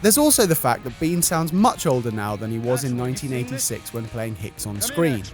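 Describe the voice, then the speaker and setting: Casting: male video narrator, medium pitch, sarcastic, bouncy intonation for scripted comedy. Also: expressive, brisk. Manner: wry, sarcastic. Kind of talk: comic scripted commentary. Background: light music.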